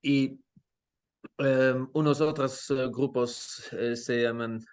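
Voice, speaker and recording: Slow, hesitant man. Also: medium pitch, steady tone, smooth. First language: Dutch. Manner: hesitant, searching for words, many fillers and restarts. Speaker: guest, language teacher. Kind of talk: casual interview conversation. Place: home in Amsterdam.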